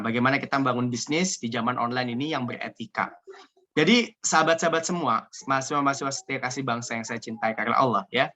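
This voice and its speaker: A man from Indonesia giving an energetic, joking motivational business talk over a video call. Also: medium pitch. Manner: energetic, joking, repeats "ya" often. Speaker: seminar speaker.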